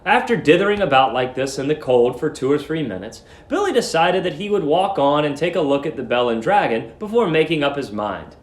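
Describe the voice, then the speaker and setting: A man narrates a story in a high voice with big swings of pitch. His delivery is theatrical, leaning deliberately on words, and the room echoes around him. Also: animated.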